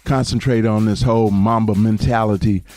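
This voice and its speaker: A man co-hosting a sports talk show, speaking in a relaxed, conversational way. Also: on the low side, normal speed, soft background music. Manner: relaxed, conversational, wraps up segments.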